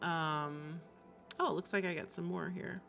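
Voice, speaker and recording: A woman's voice: low-pitched, steady tone, a little slow, vocal fry, a bit bright, faint music behind. A woman game streamer chatting casually and expressively on a livestream, in an informal way. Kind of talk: casual livestream chat about games.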